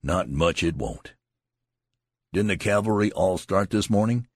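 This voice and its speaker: A man's voice: deep voice, animated, moderate pace, vocal fry, slightly rough, no room sound, clean studio sound, heavily acted. A man voicing a tall, boastful young soldier who talks in a folksy, lecturing way. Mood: exasperated. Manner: folksy rural talk, lecturing.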